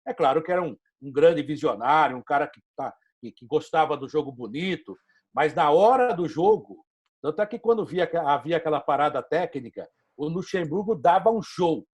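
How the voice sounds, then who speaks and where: Give me a Brazilian sports-show host, a man with a fairly high voice, giving opinionated, flowing commentary. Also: expressive, normal speed, a little mellow, husky. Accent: Brazilian Portuguese. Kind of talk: casual interview chat.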